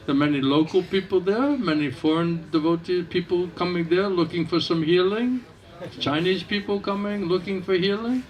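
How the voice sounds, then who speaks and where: A man, a monk, talks in a gentle, conversational way in a temple hall, with a slightly raised voice. He often echoes questions back before he answers them. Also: sits high, moderate pace. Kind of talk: informal spiritual talk.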